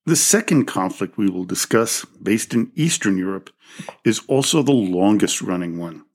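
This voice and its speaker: A man reads out a scripted history narration for his podcast in a fairly low, steady voice. Now and then he trips on a word and corrects himself before moving on. He sounds close to a podcast mic. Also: normal speed. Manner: reads from a script with small slips and self-corrections. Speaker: podcast host.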